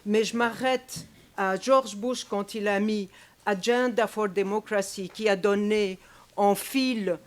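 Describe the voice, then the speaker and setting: Slow, hesitant Syrian-born woman. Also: medium pitch, steady tone. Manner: hesitant with many fillers, growing heated. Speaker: audience member. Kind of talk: impassioned statement at a press panel.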